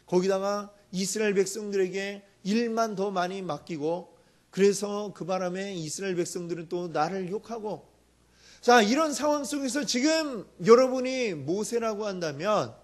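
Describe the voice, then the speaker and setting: Man, pastor, sermon, high voice, storytelling, acts out quotes. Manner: lively storytelling, acting out quoted voices, asking the congregation questions.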